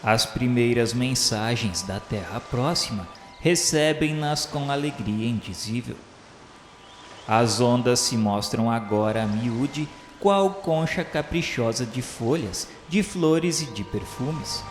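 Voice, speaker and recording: A man narrates in a Brazilian accent with a mid-pitched voice, solemn and declamatory like a formal literary reading. His delivery is reverent and scripted. The sound is very echoey, with music playing behind him. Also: expressive, takes it slowly. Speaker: narrator of a radio novela. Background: background music.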